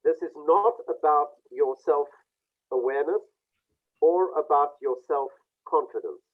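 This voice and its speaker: A man on a video call reading a participant's face for a group session, speaking reflectively with pauses. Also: fairly high pitch. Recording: tinny phone-like call audio.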